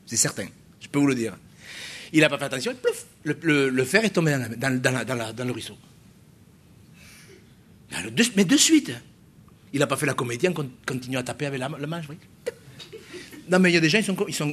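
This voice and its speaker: A middle-aged pastor preaching to his congregation in a husky, slightly breathy voice of ordinary pitch. He drives his points home with repetition and rhetorical questions, pushing steadily through a church sermon. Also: very animated, fast, long pauses, a bit bright. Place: church service.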